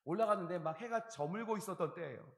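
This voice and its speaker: Man preaching with lively storytelling, echoey church. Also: sits high, fast. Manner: storytelling, acting out his own inner dialogue and singing hymn lines. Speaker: pastor. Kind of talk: sermon. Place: church sanctuary. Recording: echoey church hall recording.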